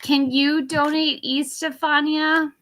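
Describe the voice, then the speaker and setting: A woman's voice: high voice, little pitch movement, slow pace, fairly bright tone. A tipsy woman hosting a casual livestream tarot reading, rambling with fillers and laughing as she talks. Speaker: tarot reader and livestream host.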